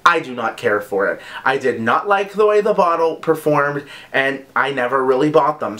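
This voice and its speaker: A man talks through a casual product review for his vlog. His voice sits at an ordinary middle pitch. He is chatty and gushing, and he keeps slipping in quick asides. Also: a bit bright. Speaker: vlog host reviewing body care products.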